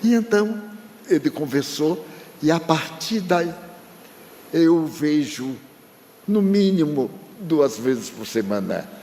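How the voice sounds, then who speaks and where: A man's voice: fairly high pitch, lively intonation, slow pace, mellow. An older Brazilian man giving a spiritist talk, telling a personal story with emotion and acting out his father's words to the audience. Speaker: spiritist speaker. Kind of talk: storytelling lecture. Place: large lecture hall. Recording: long reverb from a hall, faint noise.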